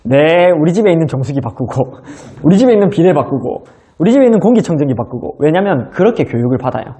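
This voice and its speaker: A man in his thirties gives a motivational seminar talk. His voice sits a little high but sounds mellow and soft. He tells his own story to the audience in an easy, conversational way. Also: big pitch swings, quick pace. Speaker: business seminar speaker. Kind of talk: motivational lecture.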